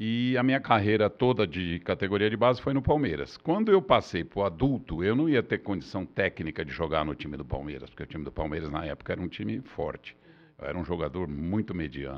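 The voice carries a vocal fry. Its pitch swings very widely. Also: man, very deep, low pitch for a man, fairly quick pace. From São Paulo, Brazil. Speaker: basketball coach and technical director; basketball coach guest. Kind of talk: interview. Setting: studio. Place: studio.

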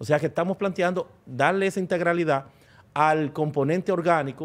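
A man's voice with ordinary pitch variation. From Dominican Republic. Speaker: lawyer and foundation president; lawyer. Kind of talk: TV interview. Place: studio. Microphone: studio mic.

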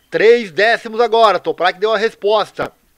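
Against a quiet background, a man is shouting. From Brazil. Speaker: motorsport commentator. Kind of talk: live race commentary, excited play-by-play. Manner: shouting, urgent, short exclamatory bursts.

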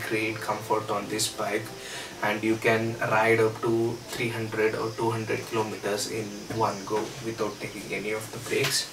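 A man speaks at a fairly slow pace, with music in the background. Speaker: motorbike reviewer. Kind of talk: product review talk. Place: home room.

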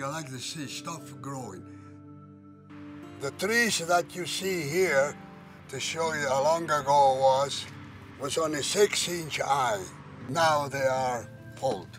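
In an Italian accent, a man speaks at a very slow pace with long, frequent pauses, a fairly high pitch and ordinary pitch variation. The sound is dry with no echo, with clear music in the background and big swings in loudness. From Italy. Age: 80s+. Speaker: farmer. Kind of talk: interview answer. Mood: warm, proud, animated. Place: garden.

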